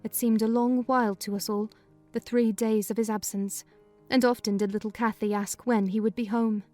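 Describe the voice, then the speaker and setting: A woman's voice: a little high, steady tone, moderate pace, a little mellow, faint music behind, natural voice. A woman reading a kindly, talkative older housekeeper in a dramatized audiobook. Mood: storytelling. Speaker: narrator voicing housekeeper.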